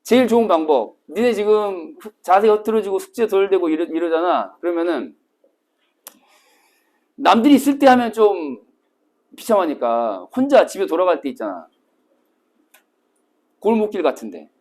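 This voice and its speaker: Man, cram school teacher, classroom lecture, swinging lively pitch, storyteller's delivery. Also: moderate pace, pauses often. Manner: lively storytelling, acting out scenes with sudden shouts. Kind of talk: classroom lecture to exam retakers.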